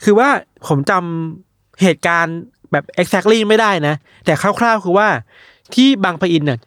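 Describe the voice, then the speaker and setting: A young man casually retelling news stories on a podcast, animated and acting out the people he quotes. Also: high-pitched, moderate pace, dry recording, studio quality. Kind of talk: casual storytelling chat.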